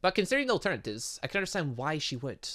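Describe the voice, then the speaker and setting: A game playthrough host reading aloud and commenting in a rambling, excitable, self-interrupting way. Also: medium pitch, rapid-fire. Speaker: gaming video host.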